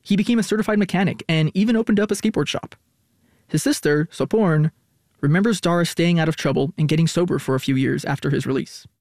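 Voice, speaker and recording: A man's voice: a little high, a little mellow, no room sound. Dry, close-miked male radio reporter. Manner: measured, scripted storytelling. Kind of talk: narrated news feature.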